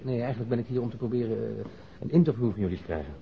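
A man's voice: mid-range voice, creaky, close to an everyday voice. A man playing a hesitant, apologetic ex-convict turned reporter in a radio drama. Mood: earnest. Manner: hesitant, apologetic, halting starts. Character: nervous, humbled male ex-convict turned provincial reporter. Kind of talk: Dutch radio drama dialogue. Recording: dull, noisy lo-fi radio drama recording.

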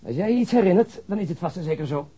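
A man's voice: high-pitched, lively intonation, quick pace, dark tone, breathy edge. An actor playing a weary, sarcastic male police detective who needles his colleagues in a Dutch radio crime drama. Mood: weary mockery. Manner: sardonic, mocking.

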